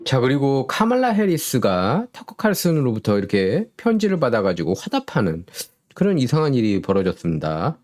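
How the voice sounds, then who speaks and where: A man's voice: medium pitch, wildly swooping pitch, normal speed, hardly any pauses, a little mellow. A man hosting a solo political commentary show, sarcastic and full of rhetorical questions.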